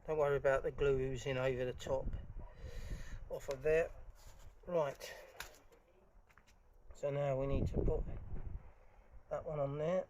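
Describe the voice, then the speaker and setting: With long pauses and an unhurried delivery, a man with a mid-range, darkish, level voice talks through a hands-on DIY project as he does it, casual in manner. Part of it takes place outdoors in a garden, and the audio is noisy, with clicks and handling sounds.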